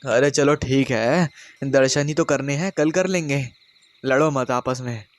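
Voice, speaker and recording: A man voicing a gentle older father-in-law who speaks slowly to calm a quarrel. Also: mid-range voice, no room sound, lightly acted. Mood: soothing. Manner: slow, soothing.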